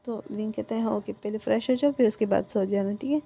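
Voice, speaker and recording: A woman's voice: mid-range voice, quick pace, vocal fry, warm tone. A woman with a Hindi accent casually retelling a fan fiction story, speaking every character's lines in her own voice. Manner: retells dialogue for every character without changing voice.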